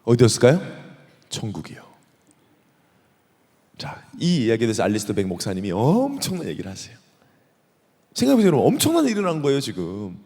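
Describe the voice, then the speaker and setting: A male pastor preaching a sermon in an animated way, putting rhetorical questions to the congregation. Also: medium pitch, brisk, pauses often, in a large hall.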